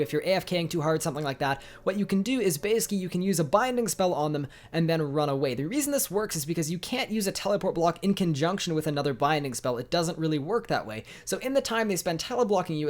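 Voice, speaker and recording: A man hosting a video game guide voice-over, slightly congested, upbeat and chatty with his viewers. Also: a little high. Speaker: gaming guide host.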